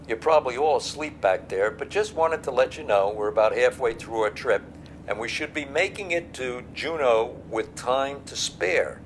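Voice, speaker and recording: An actor playing a genial, reassuring airline captain making a routine cabin announcement in an audio drama. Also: male voice, medium pitch, lively intonation, normal speed, slight background noise, close to an everyday voice. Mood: relaxed, friendly. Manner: easygoing, reassuring.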